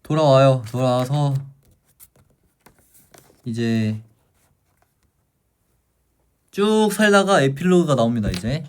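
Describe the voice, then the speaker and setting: A man's voice: mid-range voice, expressive, measured pace, smooth. A young man hosting a livestream, chatting animatedly as he retells a book's plot to his viewers. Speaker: livestream host. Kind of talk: casual livestream chat retelling a book.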